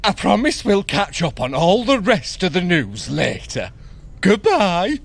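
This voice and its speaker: A man's voice: high-pitched, huge pitch swings, a little slow, creaky, heavily acted. A man acting in an audio drama as a trickster god posing as a chatty servant woman, with a breezy, affected manner. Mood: breezy, hurried.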